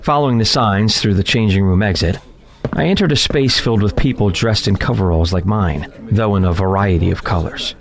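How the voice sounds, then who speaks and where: A man's voice: fairly low pitch, a little fast, close to an everyday voice. An actor playing an uneasy man trapped in a deadly game, narrating a horror audio drama in a tense, dramatic way. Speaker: narrator and lead character. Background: loud music.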